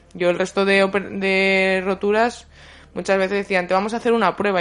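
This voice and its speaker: Using an unremarkable speaking voice, a woman talks at a medium pitch with fairly even intonation. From Spain, Teruel (Aragon). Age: 20s. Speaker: football coach, former professional footballer. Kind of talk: interview. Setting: studio.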